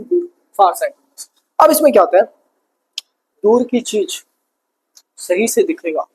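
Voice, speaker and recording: A man teaching a lively exam revision lesson, calling the students brother and asking and answering his own questions. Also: high voice, husky, rough recording. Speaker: science teacher.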